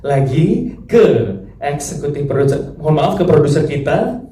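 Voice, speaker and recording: A man's voice: a little high, normal speed, dark tone. A man hosting a press conference as emcee, upbeat and prompting the audience. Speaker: event emcee. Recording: echoey hall, far mic, crowd.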